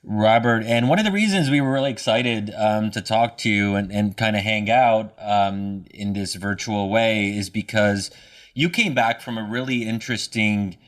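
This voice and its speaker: A man's voice: on the low side, moderate pace, a bit bright, recorded from a distance. A man co-hosting a podcast, easygoing and casual as he introduces a guest over a remote call. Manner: easygoing, laughs between phrases. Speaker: podcast co-host.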